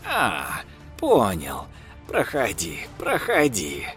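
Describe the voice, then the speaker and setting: A man voicing an old scientist, just woken up, gruff but inviting. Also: lowish voice, wildly swooping pitch, very slow, a bit bright, soft background music, heavily acted.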